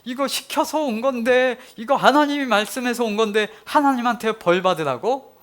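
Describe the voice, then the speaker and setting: A man's voice: extremely high pitch, very animated, normal speed, a bit bright, pitched above the performer's own voice, exaggerated voice. A male pastor voicing an exasperated male prophet, complaining to God in a whiny, indignant way. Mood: aggrieved.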